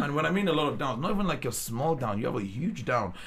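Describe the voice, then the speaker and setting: Noticeable background noise sits under a man's very fast speech. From Nigeria. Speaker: podcast co-host. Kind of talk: casual chat.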